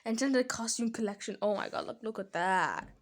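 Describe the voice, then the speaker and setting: A woman talking casually over her gameplay as a gaming channel host, chatty and rambling, quick to laugh and exclaim. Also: on the high side, a little hiss or hum.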